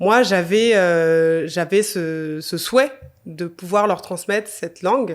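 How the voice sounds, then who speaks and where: A woman's medium-pitched voice at a very slow pace, with ordinary pitch variation, on a very clean recording with a silent background. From France, Paris. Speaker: illustrator. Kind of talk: podcast interview. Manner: halting.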